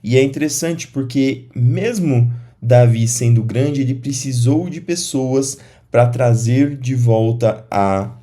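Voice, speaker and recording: Hesitant Brazilian man, mellow voice. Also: medium pitch, takes it slowly. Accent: Brazilian Portuguese. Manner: hesitant, restarts phrases. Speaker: church commentator. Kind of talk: informal Bible commentary.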